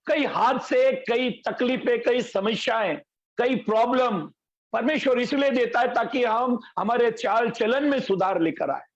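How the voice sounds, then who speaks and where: A man's voice: extremely high pitch, a little slow, muffled recording. A male pastor preaching a sermon, telling folksy anecdotes and stories, over an online call. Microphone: video call.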